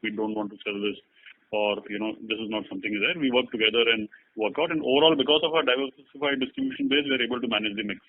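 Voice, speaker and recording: A man with an Indian accent explains business matters off the cuff as a company executive on a conference call. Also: on the low side. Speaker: company executive answering analysts. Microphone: phone conference line. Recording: narrow phone-like conference call line.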